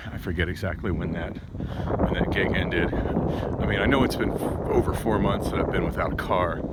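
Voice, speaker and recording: Loud wind batters the microphone as a man with a fairly low voice talks outdoors. He is vlogging on foot in a casual, rambling monologue. He drifts into side stories and circles back to his thread. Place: outdoors on a street, walking.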